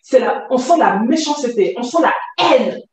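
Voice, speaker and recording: A woman giving an emotional personal testimony, halting and pained, often rising to near shouts. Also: sits high, animated. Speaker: testimony guest. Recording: echoey room, far from the mic.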